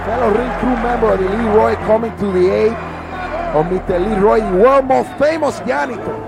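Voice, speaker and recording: A man's voice: high voice, normal speed, vocal fry, over loud music. A man doing colorful live wrestling commentary as color commentator, repeating catchphrases and dropping in Spanish. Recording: noisy arena, loud crowd. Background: loud wrestling crowd.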